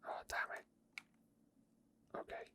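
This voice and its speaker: Throughout the clip a male game streamer whispers breathily, hardly voicing at all, while commenting on a video game for ASMR without a script. He goes slowly, murmuring hesitantly and tossing in small asides.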